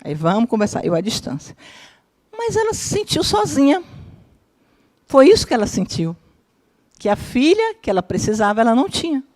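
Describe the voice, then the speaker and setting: A psychologist of about fifty teaches a spiritist course in a lecture room, sharing personal family stories with a live audience. Her voice is high and at normal speed with frequent pauses; lively, she keeps checking whether listeners follow and acts out what her relatives said.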